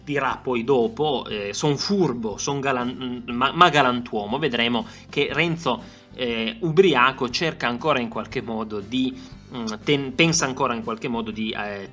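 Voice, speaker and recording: A man's voice: medium pitch, fairly bright tone. A man teaching literature, explaining a classic novel passage with frequent hesitations and fillers. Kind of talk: lecture with read-aloud passages.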